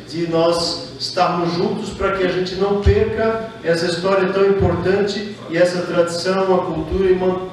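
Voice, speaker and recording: A man's voice: on the high side, distant mic. A middle-aged man from southern Brazil, a mayor raised speaking German, giving a formal ceremony speech at a podium, earnest, greeting guests one by one with small fillers. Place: large reverberant hall, indoors. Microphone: podium microphone heard from a distance. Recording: echoey hall, voice from afar.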